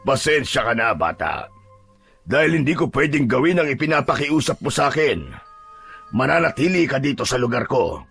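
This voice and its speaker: A man voicing a calmly menacing aswang monster in a horror audio drama, with a deep, husky, gravelly voice and slow, controlling delivery. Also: soft background music. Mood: calm menace. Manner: slow, measured, coaxing yet firm. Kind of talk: Filipino radio-style horror drama acting.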